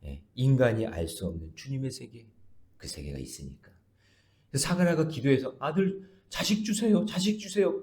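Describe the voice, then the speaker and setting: A man preaching a dawn prayer service sermon as a pastor, emphatic and questioning the congregation, swinging between loud exclamations and soft asides. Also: medium pitch. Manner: talks directly to the congregation with questions.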